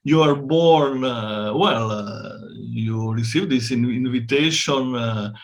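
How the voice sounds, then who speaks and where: A man's voice: medium pitch, takes it slowly. A man with an Italian accent hosting an interview, speaking hesitantly in English as a second language with many restarts and fillers. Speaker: interviewer, host.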